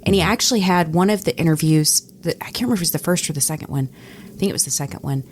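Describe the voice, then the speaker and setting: A woman's voice: low voice, racing, a little hiss or hum. A middle-aged American woman co-hosting a show, sharing stories in casual conversation. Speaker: podcast co-host, radio personality. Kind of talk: casual chat.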